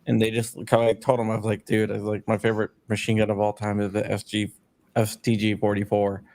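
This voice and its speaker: A man's voice: on the low side, monotone, a little fast, a little mellow. A man hosting a casual live chat, talking eagerly with stammering restarts. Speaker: host.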